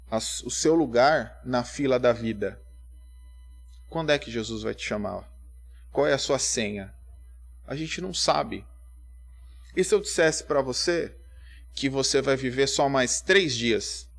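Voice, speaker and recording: A preacher, his pitch sitting in an ordinary middle range. He talks to the congregation like a neighbour, asking question after question. He pushes up loud on key words, then sinks into near-murmured asides. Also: gravelly. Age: 30s. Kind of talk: church sermon.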